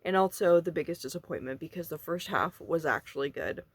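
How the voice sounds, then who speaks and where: A woman's voice: low voice, a little fast, slightly rough. A young woman chatting informally and bluntly about books, rambling a little and swearing casually. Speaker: book reviewer video creator. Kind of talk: casual book commentary to camera.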